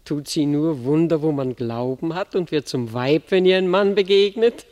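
A woman's voice: low-pitched, moderate pace, dark tone, close to an everyday voice. An actress playing a haughty, scornful queen and mother who commands and mocks in classic German radio drama style. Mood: mocking, incredulous. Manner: imperious, mocking, declamatory. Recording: long reverberant hall.

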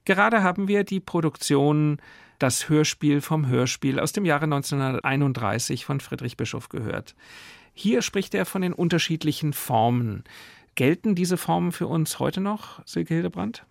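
A man presenting a radio programme in a measured, scripted style, recorded in a studio. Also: fairly high pitch, lively intonation, creaky, no echo. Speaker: radio host and editor. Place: dry studio.

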